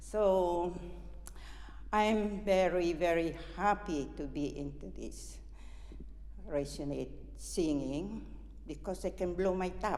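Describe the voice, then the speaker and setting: With long, frequent pauses and audible room echo, a woman talks at a very slow pace. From Philippines. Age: 80s+. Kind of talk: personal testimony.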